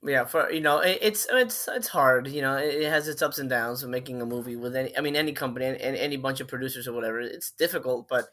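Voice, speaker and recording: Speaking fast with few pauses, this middle-aged Miami, Florida man has a medium-pitched, sharp voice. He's a film director appearing as an interview guest, chatty and casual, often using fillers and starting sentences over.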